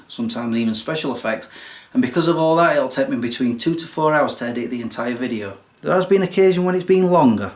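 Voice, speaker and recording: A young man casually explaining, step by step, how he films and edits his videos, with a self-deprecating manner. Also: mid-range voice. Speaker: YouTube creator. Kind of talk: casual behind-the-scenes explanation. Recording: roomy echo.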